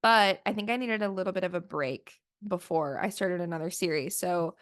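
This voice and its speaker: A woman's voice: fairly low pitch, normal speed. A woman hosting a solo podcast in casual, rambling chat full of fillers, sniffly and with her voice still recovering from flu. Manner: chatty, rambling, lots of "like" fillers. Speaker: podcast host.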